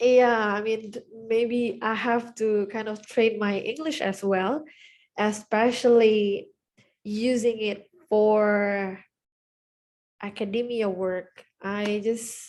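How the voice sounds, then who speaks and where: A woman with an Indonesian accent speaks very slowly at a fairly high pitch, her intonation monotone and flat. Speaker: PhD student vlogger. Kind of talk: personal vlog monologue. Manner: halting, many fillers and false starts.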